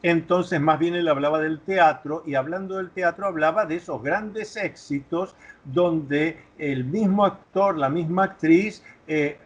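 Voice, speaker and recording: A man's voice: fairly high pitch, a little slow, husky, highs cut off. An older man speaking thoughtfully in a reflective conversation, explaining ideas with a few restarts over a video call from a home study. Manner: thoughtful, lecturing, with filler restarts. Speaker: interview guest.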